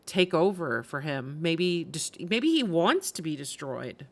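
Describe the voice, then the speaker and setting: A woman's voice: sits low, very animated, unhurried. A woman game streamer giving casual live reactions, musing aloud in a conversational way.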